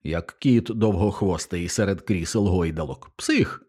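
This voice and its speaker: Brief: spiteful fat older man, as a male reader puts him on, yelling and jeering. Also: low-pitched, measured pace, breathy edge. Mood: sneering rage. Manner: coarse, sneering, yelling.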